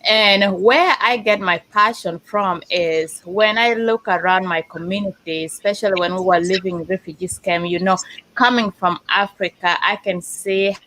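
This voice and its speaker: A woman from South Sudan who grew up in Uganda, speaking as an interview guest and telling her story slowly and earnestly. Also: mid-range voice, pushed and bright, a little hiss or hum, poor audio. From South Sudan, raised in Uganda. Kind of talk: casual interview.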